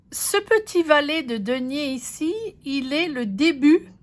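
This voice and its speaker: A woman speaks with ordinary pitch variation in a very clean recording over a silent background. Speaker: tarot reader. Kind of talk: tarot reading. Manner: hesitant, filler-heavy; not fast, by own account.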